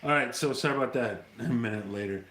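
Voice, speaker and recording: A man's voice: mid-range voice, fast, sharp tone. A man hosting a casual livestream chat through a tablet mic, cracking crude jokes. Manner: crude joking banter. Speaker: livestream host. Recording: echoey room with faint noise.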